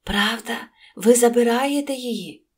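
A woman voicing a greedy, scheming innkeeper's wife from a storybook, whining and fawning, pitched above her own voice. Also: normal speed, close to an everyday voice. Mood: eager.

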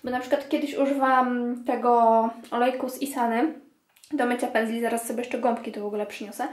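A beauty vlogger, young and chatty, narrates a casual clean-with-me video from her home bathroom, washing makeup brushes and addressing viewers as "girls." She speaks a little fast in a fairly high, steady voice, with roomy acoustics.

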